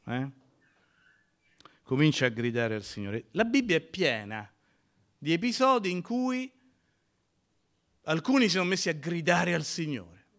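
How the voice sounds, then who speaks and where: A male pastor preaching a sermon in a church, emphatic, swinging from loud cries to near whispers. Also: fairly high pitch, big pitch swings, measured pace, long pauses.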